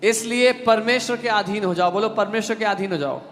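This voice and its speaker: A man's voice: sits high, a little fast, a bit bright, slight background noise. A man interpreting a sermon phrase by phrase, echoing each line right after the preacher. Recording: music clearly under the voice.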